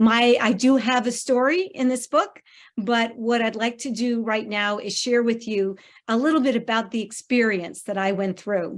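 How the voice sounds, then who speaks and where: Against a quiet background, a woman with an American accent speaks in a plain, everyday voice, fairly high in pitch, at a moderate pace with ordinary pitch variation. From New York, Staten Island. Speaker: memoir writing participant. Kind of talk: casual talk at book launch. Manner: informal, with fillers.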